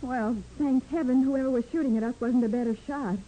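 An actress playing a spirited, inquisitive detective's assistant in a 1940s radio crime drama. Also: female voice, high voice, brisk, a little hiss or hum, lightly acted, low-quality recording. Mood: shaken. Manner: eager, inquisitive, expressive. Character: spirited, alert young female detective's assistant. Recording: old 1940s radio broadcast.

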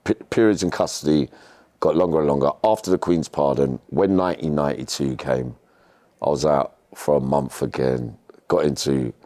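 Very deep-voiced man, rambling and slangy. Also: a little mellow, dry recording. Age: middle-aged. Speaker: podcast guest. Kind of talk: casual chat, personal storytelling.

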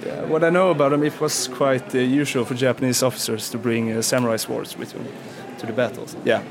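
A man's voice: mid-range voice, steady tone, a little fast. A man with a Swedish accent, a museum visitor speaking English as a second language, hesitating often with fillers as he talks about history. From Sweden. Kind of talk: casual interview answers. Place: busy museum gallery indoors. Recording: busy museum crowd behind.

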